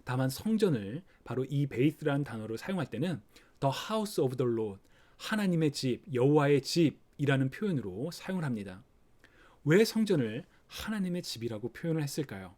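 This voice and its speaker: A man preaching a sermon for an online service, explaining a scripture passage gently and acting out the worried thoughts of parents. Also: medium pitch, very animated, moderate pace. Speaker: pastor. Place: online worship recording.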